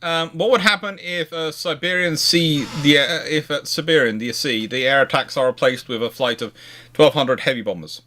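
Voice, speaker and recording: A man hosting a casual question and answer chat on naval history, talking haltingly and often circling back to rephrase. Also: on the high side, bright, forceful tone. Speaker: live Q&A host answering viewer questions.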